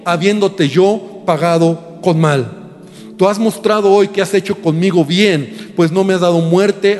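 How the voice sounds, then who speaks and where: A man's voice: sits high, a little mellow, big-room sound. A man preaching a sermon, reading scripture aloud and explaining it with frequent rhetorical questions.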